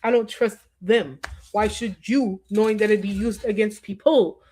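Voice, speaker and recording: A woman livestreamer rambles conversationally to her viewers, restarting sentences and tossing in asides. Her medium-pitched voice is steady and darkish at a moderate pace, with slight background noise.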